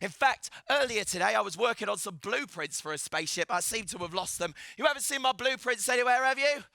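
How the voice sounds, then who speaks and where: A man presenting a live children's science show with an excitable, theatrical manner, urging the audience to cheer. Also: high-pitched, brisk, creaky. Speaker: stage presenter. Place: live event hall with an audience. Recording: music playing behind.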